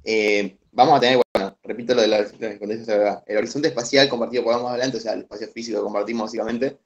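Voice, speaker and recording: Over a video call with dull lo-fi audio, a young man with an Argentine Spanish accent explains a reading to classmates in an online study session. His voice is low and steady in tone, but he races along hesitantly, with many fillers and restarts.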